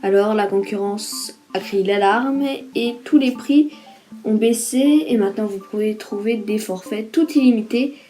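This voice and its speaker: A woman's voice: medium pitch, a little slow, dark tone, faint music behind. A woman reporter giving scripted news narration in a lightly playful, explanatory way.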